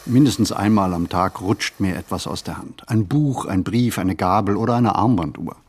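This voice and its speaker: An actor playing a pensive, hesitant city stroller in a radio play monologue, speaking deliberately and haltingly with a husky voice. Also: male voice, deep voice, darkish tone, slight background noise, lightly acted. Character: male pensive, hesitant city stroller musing on everyday life.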